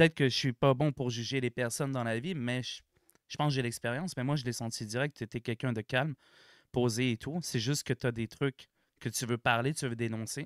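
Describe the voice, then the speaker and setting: In a Quebec accent, a man talks at a fairly quick pace with fairly even intonation. The sound is dry with no echo, and the background is quiet. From Montreal, Quebec. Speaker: video host interviewer. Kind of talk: casual interview chat. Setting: video call. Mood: calm, friendly. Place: home room. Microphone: studio mic.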